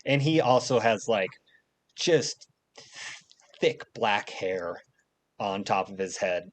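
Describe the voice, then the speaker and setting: Slow, rambling game master, a man. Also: on the low side, expressive. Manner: rambling, full of fillers. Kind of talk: narrating a tabletop game.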